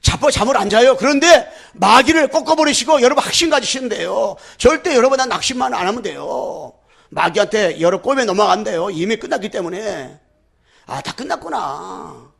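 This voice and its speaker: A man preaching a sermon as pastor, fervent, shifting between loud declarations and low asides, and leading the congregation in repeating phrases after him. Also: lively intonation, fairly quick, vocal fry, breathy edge. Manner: leads the congregation in call-and-repeat.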